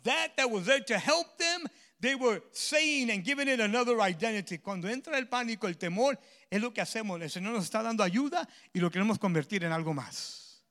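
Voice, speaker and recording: Male pastor, very high voice, bilingual sermon delivery: each line in Spanish then English, "ah" fillers between phrases, shifts from forceful to hushed. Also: animated. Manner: punctuates phrases with drawn-out "ah"; swings from loud emphatic lines to hushed ones.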